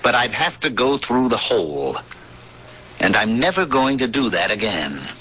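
An actor playing a haunted veteran spaceship pilot in 1970s radio drama, pleading and obsessive, with intense, halting, stammered repetitions. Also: male voice, medium pitch, sing-song, a bit bright, breathy edge. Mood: scared, defensive. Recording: dull, noisy old radio broadcast.

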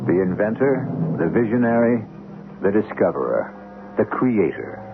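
A man hosting a radio mystery series with theatrical scripted narration, wry and philosophical in his deliberate phrasing. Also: fairly low pitch, big pitch swings, vocal fry. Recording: tinny radio broadcast with music.

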